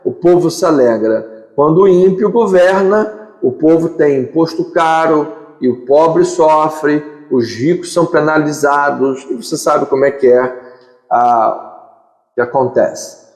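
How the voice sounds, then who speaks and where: A Brazilian-accented pastor preaches a sermon, hammering points home with emphatic repeated phrases and lists. His voice is on the high side, unhurried and a little mellow, echoing through a church sanctuary with long reverb.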